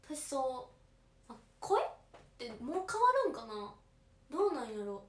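In a relaxed livestream chat, a late-teen idol audition candidate with a Kansai Japanese accent reads viewer comments and answers them courteously. Her high voice is sing-song and a little mellow at a normal speed, and the room sounds spacious with faint background noise.

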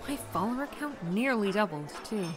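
A woman in her twenties playing a lively, teasing young influencer friend in an audio drama, with music under her voice. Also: mid-range voice, normal speed, a little hiss or hum, close to an everyday voice. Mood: chatty.

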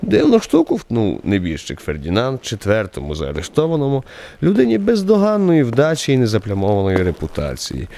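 A man of medium pitch narrates a radio play with theatrical flair. His phrases rise and fall widely, in a polished literary storytelling manner. The recording carries faint noise and small clicks. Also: wildly swooping pitch, brisk, gravelly, dark tone. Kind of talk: expressive scripted literary narration.

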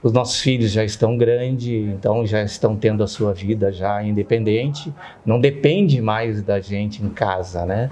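A man's voice: lowish voice, normal speed, few pauses, darkish tone. A man, sharing personal experience conversationally and often adding tag questions for agreement. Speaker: interview guest.

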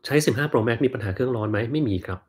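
A man in his thirties hosting a casual livestream Q&A, reading viewer comments and answering in a relaxed, chatty way full of fillers. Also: mid-range voice, rapid-fire, slightly rough. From Thailand. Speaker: doctor and livestream host.

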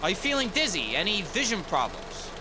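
An actor playing a calm emergency rescuer in an audio drama, asking questions in a reassuring way. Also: male voice, high-pitched, brisk, background noise. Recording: loud idling vehicle engine behind.

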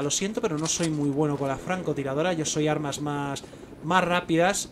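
Excitable young Spanish gamer, fairly high voice. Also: male voice, a little hiss or hum. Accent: Spain Spanish. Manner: excitable, talks to himself, bursts into exclamations. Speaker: gaming streamer. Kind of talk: live gameplay commentary.

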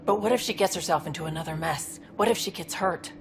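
A woman's voice: lowish voice, fast talker, slight background noise, close to an everyday voice. A woman voicing a protective, weary alien mercenary sister in a video game, dry, guarded and exasperated. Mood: worried, dry. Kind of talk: dramatic video game acting.

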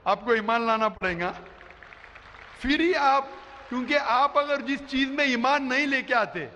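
Man, middle-aged, preacher, high bright voice, emphatic explaining, stand mic, arena stage, long hall reverb. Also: a little slow, slight background noise. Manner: emphatic, explanatory, often asks "you understand?". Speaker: Islamic preacher answering audience questions. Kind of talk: public question-and-answer lecture. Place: huge indoor arena stage before a large crowd. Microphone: stand microphone.

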